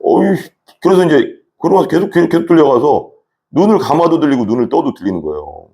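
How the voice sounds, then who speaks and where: A man preaching a sermon as pastor, telling his story in an animated way. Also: fast talker. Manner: animated storytelling preacher, lively swings in pitch. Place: church.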